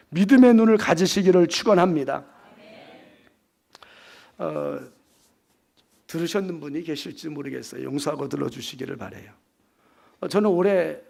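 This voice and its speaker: A man's voice: high voice, vocal fry. A male pastor in his fifties preaching an evening sermon, asking the congregation rhetorical questions and acting out quotes.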